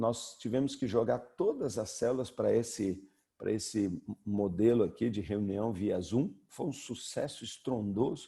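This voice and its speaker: Speaking at a fairly slow pace, a man uses a medium pitch with ordinary variation, and his voice is somewhat breathy with a dark, mellow tone. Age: 60s. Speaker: pastor. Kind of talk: lecture.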